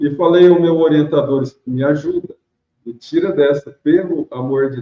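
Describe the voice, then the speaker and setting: A man has a plain, everyday voice, fairly high in pitch, with fairly even intonation. He speaks at a fairly slow pace, and his loudness swings widely. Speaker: Spiritist lecturer. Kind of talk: lecture.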